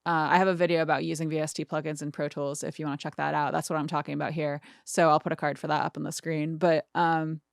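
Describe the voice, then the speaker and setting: A woman's voice: low-pitched, flat delivery, fast talker, vocal fry, few pauses, no room sound, clean studio sound. A woman in her thirties hosting a music production tutorial, chatting informally and casually with some self-deprecation. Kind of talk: casual screen-recorded tutorial.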